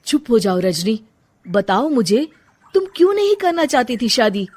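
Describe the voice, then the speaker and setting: Woman voicing a gentle pleading young husband. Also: fairly high pitch, big pitch swings, normal speed. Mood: soothing. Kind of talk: cartoon storybook voice acting.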